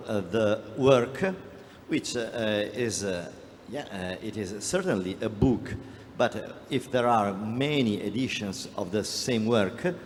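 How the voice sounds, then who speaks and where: Slow, low-voiced man in a noisy hall. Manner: hesitant, deliberate, frequent long filler pauses. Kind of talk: unscripted explanation to a workshop group. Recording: reverberant hall with background noise.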